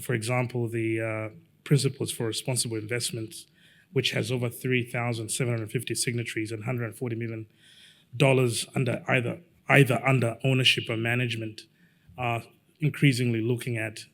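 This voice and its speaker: Gravelly, halting man from Zambia. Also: medium pitch, fairly bright tone. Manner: measured, halting, with frequent fillers. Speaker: lawyer giving a conference presentation. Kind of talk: conference presentation.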